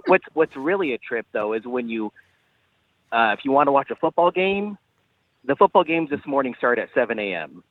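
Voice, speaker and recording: A man's voice: medium pitch, very animated, normal speed, no echo. A man from California calling in over the phone to a talk show, chatty and easygoing, speaking from a beach lounge chair outdoors. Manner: easygoing, chatty, laughs often. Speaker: caller. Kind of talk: casual call-in chat. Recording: dull phone line with faint noise.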